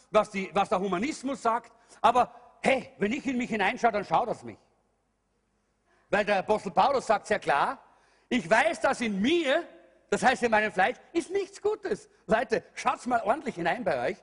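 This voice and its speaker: A man preaching a sermon to a congregation, emphatic, rising to shouts and dropping low, addressing the listeners directly. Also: breathy edge. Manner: emphatic preaching, calls out to the congregation, swings loud and soft. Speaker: pastor. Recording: long hall reverb.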